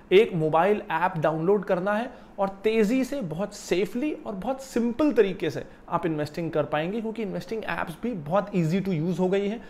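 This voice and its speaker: A young man giving a lively explanatory video lesson about investing, seated in a small office and using a lapel mic. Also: high voice. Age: young adult. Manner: animated, gestures while explaining. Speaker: finance educator.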